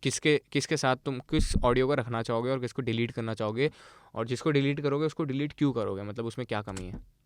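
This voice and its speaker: Male instructor, smooth clear voice, dry close sound, questioning students through a lesson. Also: mid-range voice, a little fast, dry recording. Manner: questions students, explains with hands-on comparisons. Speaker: audio teacher.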